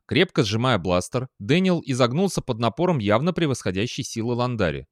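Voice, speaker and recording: A man narrating a science fiction audiobook in an expressive manner. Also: mid-range voice, a little fast, no echo, studio quality. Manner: expressive, with a lively tone. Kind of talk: scripted narration.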